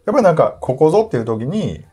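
Animated Kansai man hosting a chat show. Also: a little high, racing, slightly rough. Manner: animated, chatty, teasing. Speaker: podcast host. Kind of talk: casual chat, reading listener mail.

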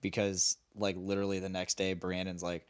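A man's voice: deep voice, monotone, brisk, smooth. A young man co-hosting a podcast, teasing playfully and laughing often. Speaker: podcast co-host. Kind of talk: casual podcast banter.

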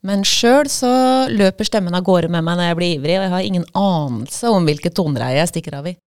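A woman's voice: fairly low pitch, darkish tone, no room sound, studio quality. A woman guest chatting candidly and with self-deprecating humour about her own voice. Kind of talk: casual chat.

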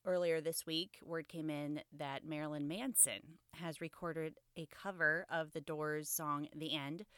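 Woman host w a summer cold, sniffly, thinks out loud, bright voice, dry close sound. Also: sits low, clean tone, no room sound. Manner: chatty, hesitant and thinking aloud. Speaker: podcast host. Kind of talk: casual book-review podcast chat.

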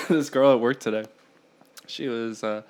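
A man's voice: mid-range voice, fairly even intonation, unhurried. A man co-hosting a podcast, talking in a laid-back, slangy way and swearing casually. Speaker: podcast co-host.

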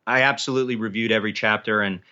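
Frank man with a bright, lowish voice. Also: steady tone, rapid-fire, dull audio. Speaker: author and podcast guest. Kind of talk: casual interview conversation.

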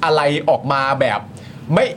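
A man's voice: unhurried, a bit bright, slight background noise. A male news talk host telling a story politely to viewers in casual commentary. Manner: polite, storytelling, many ครับ particles.

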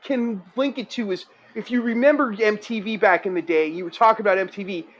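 A man from California with a high voice calls in and rambles through a profane casual chat. He laughs often and trails off mid-thought. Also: a little fast, slight background noise. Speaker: caller.

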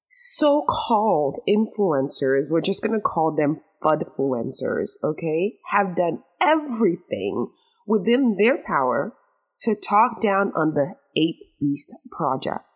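Raspy hoarse lady doing an opinionated talk show rant, really emphatic, pitch goes up and down a lot, repeats herself for effect. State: hoarse after a late night.

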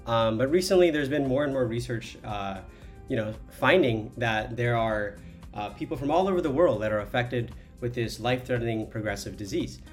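A man's voice: medium pitch, normal speed, faint music behind. A man in his twenties talking conversationally in a testimonial interview, with frequent fillers. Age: 20s.

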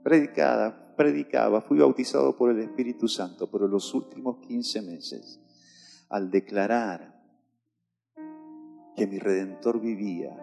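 Gravelly older pastor preaching in reverb. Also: male voice, on the low side, dark tone. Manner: emphatic, repeats declarations, stretches key phrases slowly. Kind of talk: sermon.

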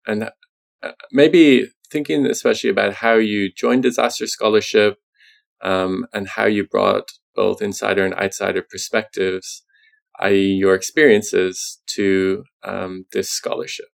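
Low gravelly-voiced male interviewer. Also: fairly even intonation. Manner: measured, fillers, gentle questioning. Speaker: interview host. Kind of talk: academic conversation.

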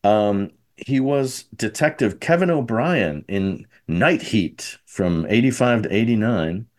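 A man's voice: on the low side, animated, takes it slowly. A man hosting a podcast in casual chat, talking hesitantly with many fillers. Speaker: podcast host.

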